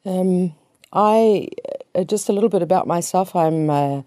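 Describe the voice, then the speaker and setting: Her voice is lowish, warm and unhurried, recorded dry in a small studio. She is a psychotherapist in her fifties with a New Zealand accent, giving a relaxed personal introduction as a guest with chatty, self-deprecating humor.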